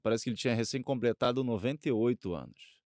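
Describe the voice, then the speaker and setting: A man's voice: mid-range voice, quick pace, darkish tone, no echo, studio quality. A man with a Brazilian accent chatting casually as a co-host, hesitating, repeating phrases and adding little question tags. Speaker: podcast co-host. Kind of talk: casual conversational commentary.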